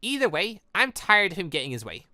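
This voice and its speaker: Animated, bright-voiced game commentator. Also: mid-range voice, brisk, no echo, studio quality. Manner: rambling, stumbles over words. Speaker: gaming channel host reading and reacting to a visual novel. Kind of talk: casual let's-play commentary with read-aloud dialogue.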